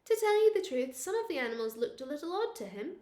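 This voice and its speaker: A woman reads a children's picture book aloud like a teacher at storytime, expressive and playful. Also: sits high, quick pace, echoey room. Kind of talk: animated children's storytime reading.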